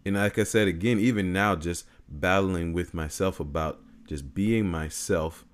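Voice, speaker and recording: A man with a big, low singer's voice, co-hosting a relaxed conversation. He circles through restarts before finding his point and laughs easily along the way. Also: a little slow. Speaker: podcast co-host, singer. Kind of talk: casual chat.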